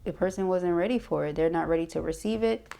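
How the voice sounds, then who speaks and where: A woman's voice: on the low side, fast, vocal fry, mellow. A woman giving a casual tarot reading, talking conversationally to the listener and often checking in with short tags. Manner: conversational, punctuated with frequent check-in tags like okay and right. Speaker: tarot card reader.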